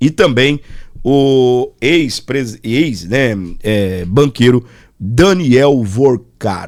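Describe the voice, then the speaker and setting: Ordinary pitch variation marks a man speaking at a medium pitch. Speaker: radio commentator. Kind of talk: live political commentary. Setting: radio studio. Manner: halting, many fillers.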